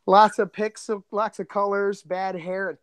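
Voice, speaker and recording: High-pitched man in casual rambling chat. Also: level tone, unhurried, clean tone, no echo, clean studio sound. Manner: rambling, repeats phrases. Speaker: podcast co-creator and voice actor.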